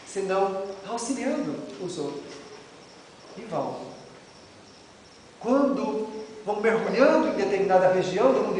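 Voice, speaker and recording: Brazilian guy preaching kinda dramatic, far from the mic in a big reverby room. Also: high voice. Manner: dramatic, emphatic, rhetorical. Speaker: lecturer at a Spiritist center. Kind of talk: religious lecture. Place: indoor lecture room with a chalkboard. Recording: very echoey, noisy hall, distant mic.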